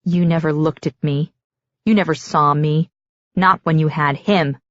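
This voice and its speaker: A young prince who betrayed his friends, speaking with cold, mocking dismissal, read by a woman. The voice sits lowish. It is recorded dry and a little muffled. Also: steady tone, unhurried, no echo.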